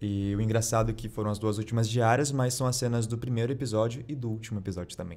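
A man with a medium pitch talks at a very fast pace with fairly even intonation. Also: hardly any pauses. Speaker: actor. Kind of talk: casual chat. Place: studio. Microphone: studio mic.

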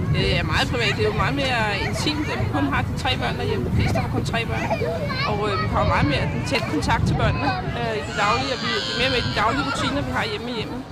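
Loud background noise surrounds a woman talking at a very fast pace. The sound is dry, with no echo. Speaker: childminder. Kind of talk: interview. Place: open country. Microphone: handheld.

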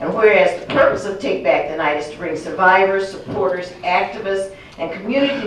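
A woman's voice carries audible room echo over light background noise. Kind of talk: formal reading of a resolution. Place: meeting room.

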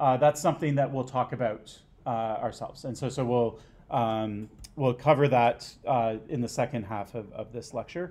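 A man with a dark, mellow tone talks at a fairly quick pace with ordinary pitch variation. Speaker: university lecturer. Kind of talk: lecture. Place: classroom.

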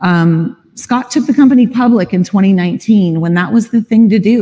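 Somewhat breathy and dark, mellow in tone, a woman speaks at a moderate pace with ordinary pitch variation. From Montana. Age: 50s. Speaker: cannabis company CEO. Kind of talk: onstage conference interview. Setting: stage with audience. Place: stage. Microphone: lapel.

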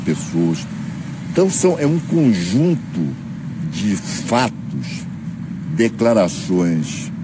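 A man talks at a very slow pace in a dry sound with no echo, with noticeable background noise. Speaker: politician. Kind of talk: press interview statement. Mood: serious, insistent. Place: street. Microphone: handheld.

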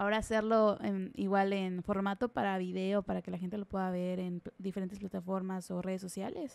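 A woman talks at a moderate pace with fairly even intonation. The sound is dry, with no echo. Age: 20s. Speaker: singer and video editor; podcast guest. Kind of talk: casual chat. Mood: cheerful, relaxed. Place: studio. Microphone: studio mic.

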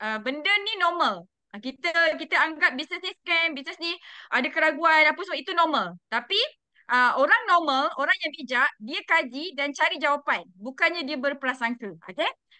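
A raised, projected voice with a bright, sharp tone, lively intonation and big swings in loudness comes through over a quiet background in a dry sound with no echo. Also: woman, high pitch for a woman, moderate pace. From Johor, Malaysia. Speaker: direct-sales team leader. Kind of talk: motivational sharing on video call. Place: home room. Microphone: webcam.

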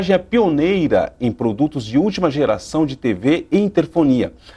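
In front of a quiet background, a man with a fairly high voice speaks at a moderate pace, his pitch swinging very widely. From Congo. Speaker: TV host, actor. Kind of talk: TV interview. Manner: halting, repeats words. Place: studio. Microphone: lapel.

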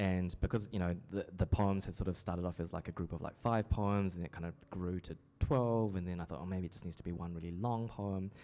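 A man with a New Zealand accent, very deep and low in pitch, his dark, mellow tone at a fairly quick pace with fairly even intonation and hardly any pauses. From New Zealand, Lower Hutt. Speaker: poet. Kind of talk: interview. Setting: stage with audience. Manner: halting. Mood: reflective, engaged. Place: stage. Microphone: handheld.

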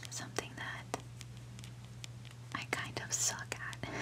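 Whispering and soft-spoken, a woman talks at a very slow pace. Loud background noise is present. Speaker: vlogger. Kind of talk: casual vlog chat. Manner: soft intimate ASMR whisper. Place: home room. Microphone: earbuds.

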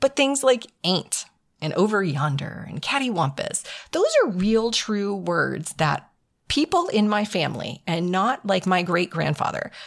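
A woman with an American accent talks at a fairly slow pace, her pitch swinging very widely. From US South. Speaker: podcast co-host. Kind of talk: casual chat. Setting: remote recording, separate rooms. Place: home room. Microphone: studio mic.

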